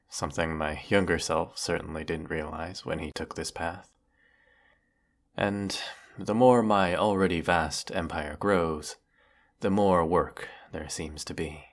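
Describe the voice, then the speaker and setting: An actor playing a weary, menacing galactic emperor in a sci-fi audio roleplay, speaking with pompous, theatrical formality. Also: male voice, measured pace. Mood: weary, confiding. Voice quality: low, gravelly. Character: weary, menacing galactic evil emperor, secretly fond of servant. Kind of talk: scripted audio roleplay monologue.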